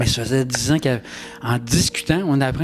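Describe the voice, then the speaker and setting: Music plays in the background as a man talks at a moderate pace. His medium-pitched voice keeps a fairly even intonation. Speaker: street pastor and evangelist, former soldier. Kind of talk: podcast interview, telling personal anecdotes.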